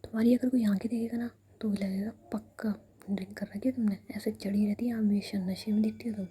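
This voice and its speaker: A woman voicing a teasing young woman in love, whispered, coaxing, mellow dark tone. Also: medium pitch, steady tone, brisk, husky.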